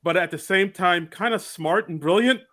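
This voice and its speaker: A man talks animatedly about comedy sketches with a podcast co-host. His voice sits a little high and sounds bright and forward. He laughs easily and trips over his words as he gets excited. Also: moderate pace. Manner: enthusiastic, laughing, frequent restarts. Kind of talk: casual comedy discussion.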